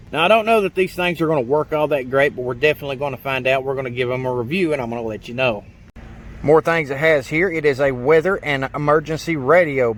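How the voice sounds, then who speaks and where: Folksy guy doing a product review, mid-pitched voice, kinda rambly, some noise behind him. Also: fairly bright tone. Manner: plain-spoken, folksy, rambling explanations. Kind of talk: casual hands-on product review.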